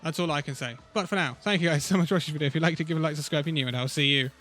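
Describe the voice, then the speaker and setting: A man who is a little ill and losing his voice gives an opinionated, conversational esports roundup with pauses. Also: on the high side, fairly bright tone, soft background music. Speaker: esports video host. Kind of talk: casual esports commentary vlog.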